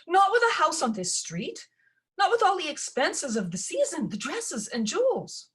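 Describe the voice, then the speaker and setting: A woman's voice: very high voice, wildly swooping pitch, normal speed, fairly bright tone, pitched above the performer's own voice, exaggerated voice. A woman voicing a fretful middle-aged stepmother who babbles and pleads anxiously. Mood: wailing.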